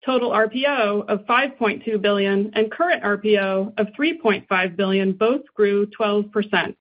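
A woman finance executive reading a scripted earnings presentation in a formal, measured way. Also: fairly high pitch. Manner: formal, measured business delivery. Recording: dull, band-limited conference call audio.

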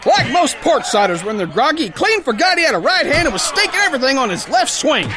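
A man's voice: very high voice, very animated, quick pace, music in the background. An actor playing a brash, hot-headed, dim-witted sailor boxer, telling his tale in boisterous, folksy tough-guy talk in a pulp audio drama. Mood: excited, forceful. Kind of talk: theatrical first-person pulp story narration.

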